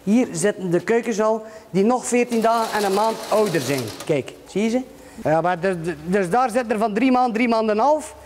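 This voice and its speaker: This high-voiced, middle-aged man with a Flemish accent talks fairly quickly, his tone a little mellow, with a bit of hiss or hum on the recording. He's an ostrich farmer showing visitors around his sheds and outdoor pens, chatting away and sprinkling in "hè" and "voilà."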